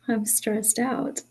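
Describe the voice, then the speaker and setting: A woman's voice: fairly high pitch, slightly rough, low-quality recording. A woman being coached, speaking casually and hesitantly as she thinks aloud. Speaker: coaching client. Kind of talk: reflective casual conversation.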